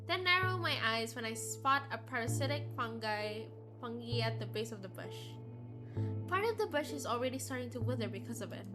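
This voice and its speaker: A woman game streamer reading visual novel narration aloud and commenting casually. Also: on the high side. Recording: music behind the voice. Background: game music.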